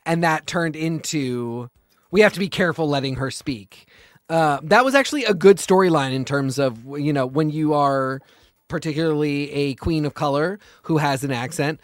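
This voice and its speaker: A male podcast co-host offers his take in a thoughtful, hesitant way, pausing and restarting as he works through his points. His voice is on the higher side and smooth. The recording is dry and close. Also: expressive, dry recording. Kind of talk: casual chat.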